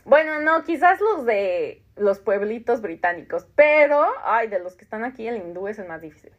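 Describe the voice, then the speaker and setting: On a casual podcast, a Mexican woman in her thirties reads out listener comments and replies to them, laughing often. Her voice is on the high side with lively intonation and a moderate pace, and the sound is lo-fi.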